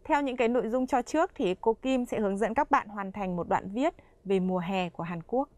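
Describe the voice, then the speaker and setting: A woman's voice: medium pitch, a little fast, a little mellow, no room sound. A woman narrating a language course, addressing learners directly and explaining the lesson in a friendly, explanatory way.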